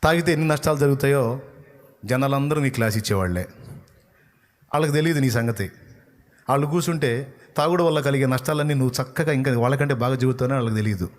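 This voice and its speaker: A male pastor with a Telugu accent preaching an evangelical sermon, scolding and urging his listeners, swinging between loud outbursts and hushed lines. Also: mid-range voice, quick pace, pauses often.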